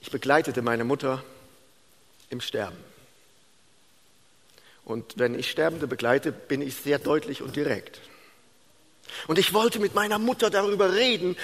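Male pastor, 50s, lively sermon delivery, slightly high voice, long hall reverb. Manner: animated storytelling, swings from loud preaching to hushed.

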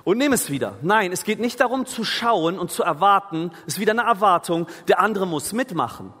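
A man's voice: high voice, expressive, a little fast, fairly bright tone, husky, long reverb tail. A man preaching a sermon in an earnest, conversational way, asking the listeners questions. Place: free church hall.

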